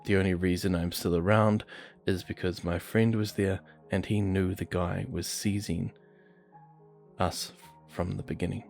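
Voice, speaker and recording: A man with a very low voice reads true creepy stories aloud. His delivery is steady and measured. Faint music plays beneath him. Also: creaky. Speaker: narrator. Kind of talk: reading horror stories aloud.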